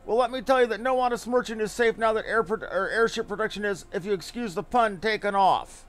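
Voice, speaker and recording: Man playing an anxious high-pitched airship merchant. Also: fairly quick, a bit bright. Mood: worried, pleading. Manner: pleading, florid, dramatic. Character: anxious airship merchant fretting over debts and lost cargo.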